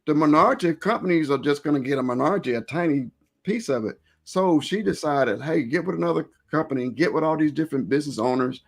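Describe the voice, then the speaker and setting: A man's voice: fairly high pitch, quick pace. A man hosting a live stream, chatting informally and rambling a little as he repeats and reworks his phrases. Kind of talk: casual interview chat with event plugs.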